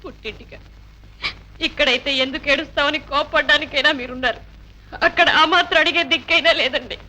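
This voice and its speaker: An actress playing a meek, devoted young wife answering her husband softly in an old film drama. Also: sits high, fast, poor audio. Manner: soft, meek. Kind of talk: 1950s Telugu film acting. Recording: old film soundtrack with music.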